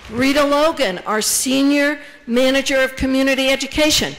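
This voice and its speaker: A woman with a slightly high voice introduces the guests at a formal ceremony. She reads names and titles in a measured, steady way. A faint murmur of the audience sits behind her. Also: a faint crowd, a little hiss or hum, rough recording. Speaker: ceremony emcee.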